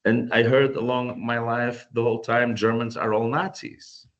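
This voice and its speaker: A man's voice: mid-range voice, level tone, normal speed, fairly bright tone. A man from Portugal with a Portuguese accent speaking English as a guest on an online panel, earnest and often restarting or repeating words. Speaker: guest volunteer. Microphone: video call. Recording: dull lo-fi video call audio.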